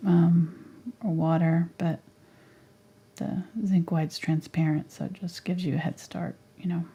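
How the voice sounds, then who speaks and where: A woman's voice: fairly low pitch, level tone, measured pace, dark tone, husky, dull audio. A woman teaching a live painting tutorial, half-whispering while she paints and losing her voice. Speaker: painting instructor.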